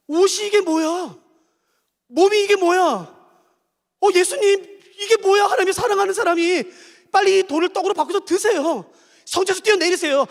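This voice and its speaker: A man's voice: very high-pitched, long reverb tail, pitched above the performer's own voice. A man voicing a taunting, mocking Satan in a sermon. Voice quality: jeering, mocking questions.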